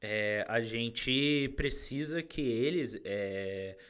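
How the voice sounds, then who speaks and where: On a very clean recording with a silent background, a man speaks at medium pitch in a bright, sharp tone with ordinary pitch variation. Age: 20s. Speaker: engineer and company director. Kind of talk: podcast interview.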